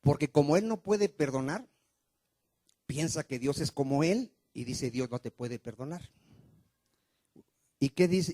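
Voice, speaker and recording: Male pastor, slightly high and warm, preaching in a dry close sound, quizzing his congregation. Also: no room sound. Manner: fires rhetorical questions at the congregation, call and response. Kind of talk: sermon. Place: church.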